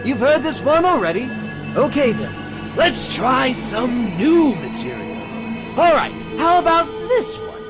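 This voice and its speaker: An actor playing a sadistic, theatrical clown villain who taunts like a stage comedian in an audio drama. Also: male voice, very high voice, sing-song, measured pace, over music, heavily acted, poor audio. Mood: mock cheer.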